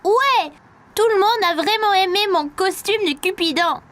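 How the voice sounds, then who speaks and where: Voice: very high voice, measured pace, a bit bright. A performer playing an earnest preschool boy in a children's cartoon, with simple childlike phrasing. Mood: pleased. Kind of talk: animated children's cartoon dialogue.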